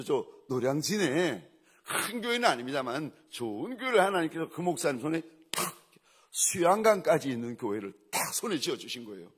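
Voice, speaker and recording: A man's voice: on the high side, fairly bright tone, husky. A man preaching a sermon as pastor, telling stories animatedly, acting out quoted dialogue and building emphatic repeated lists. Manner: emphatic repetition in rising lists.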